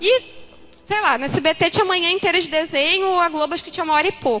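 A woman speaks at an extremely high pitch. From southern Brazil. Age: 20s. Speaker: psychologist. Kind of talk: talk at a women's church service.

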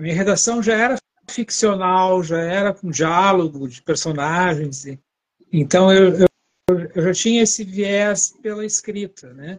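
A man's high-pitched voice at a fairly slow pace, with ordinary pitch variation, big swings in loudness, and a dry, close sound with no echo. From Porto Alegre, southern Brazil. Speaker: writer and visual artist. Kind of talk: interview.

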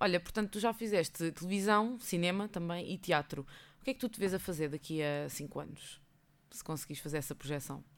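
A woman's plain, everyday voice, fairly low in pitch, at a fairly quick pace with lively intonation and big swings in loudness, in a very clean recording over a silent background. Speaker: podcast host. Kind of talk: casual chat.

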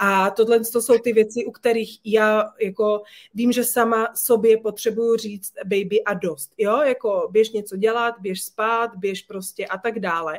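Very slow but with hardly any pauses, a woman speaks at a fairly high pitch with fairly even intonation. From Slovakia. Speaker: copywriting lecturer. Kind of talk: casual interview. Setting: video call.

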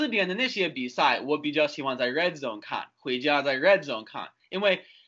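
This man has an ordinary speaking voice, fairly high in pitch. He talks with hardly any pauses. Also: moderate pace. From US, Buffalo, New York. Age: 30s. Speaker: podcast co-host, football fan. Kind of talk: casual chat.

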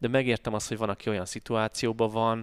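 This man talks at a fairly quick pace with fairly low pitch and a normal speaking voice. The recording is very clean, with a silent background. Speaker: portrait photographer. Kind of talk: casual interview. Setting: photo studio.

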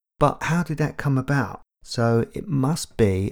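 This man speaks with a London accent and lively intonation. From London, England. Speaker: podcast host. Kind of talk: motivational monologue.

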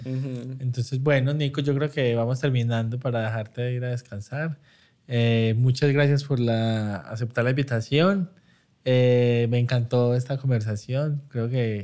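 A man with a dark, mellow tone keeps his intonation fairly even. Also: medium pitch for a man, fairly slow pace, very clean recording, silent background. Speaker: podcast host. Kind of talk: casual interview.

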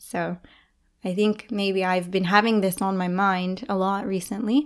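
A woman at medium pitch in a very clean recording with a silent background. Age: 30s. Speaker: English teacher podcaster. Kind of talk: casual monologue. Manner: hesitant, many fillers.

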